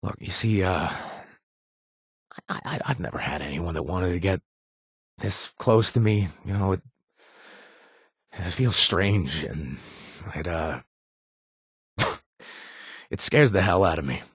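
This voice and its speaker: Husky, halting wasteland bartender guy. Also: low-pitched, animated, fairly bright tone, no echo, clean studio sound, full character voice. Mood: nervous, awkward. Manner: halting, stammering, casual and self-deprecating. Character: gruff but awkward recovering-addict wasteland bartender, loyal, wounded. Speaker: voice actor for a video game companion. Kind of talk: naturalistic video game dialogue.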